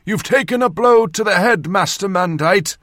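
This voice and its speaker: A man voicing a reassuring old ship's surgeon in an audiobook, talking loudly and briskly to his patient. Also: fairly high pitch, very animated, no echo, studio quality, pitched above the performer's own voice, full character voice. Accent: northern. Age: older. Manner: loud, reassuring, brisk bedside talk. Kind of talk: audiobook character voice.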